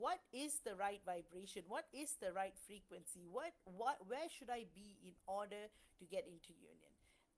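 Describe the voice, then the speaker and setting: Loud and at a fairly slow pace, a woman speaks with very wide pitch swings. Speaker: spiritual channeler hosting a livestream. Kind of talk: live stream talk to viewers. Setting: online live stream. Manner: trying to speak louder. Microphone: new laptop mic, external mic not connecting.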